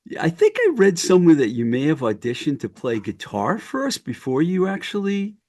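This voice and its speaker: A man's voice: fairly high pitch, wildly swooping pitch, normal speed, a little mellow. A man hosting a podcast interview over a video call, an eager fan who often restarts his questions. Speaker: podcast host. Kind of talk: casual interview.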